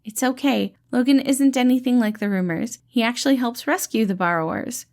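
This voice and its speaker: Woman putting on a high, cheerful little healer man. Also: a little fast, lightly acted. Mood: upbeat, explaining. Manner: eager, reassuring, gentle, calls people kiddo. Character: tiny cheerful male borrower healer, kindly and fatherly.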